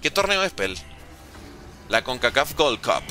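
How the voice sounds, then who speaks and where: A man's voice: medium pitch, big pitch swings, unhurried, pushed and bright, faint music behind. A man from Venezuela, a gaming streamer chatting casually from home, reading chat aloud and joking with viewers. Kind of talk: casual live-stream chat while playing. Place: at home, room with a window.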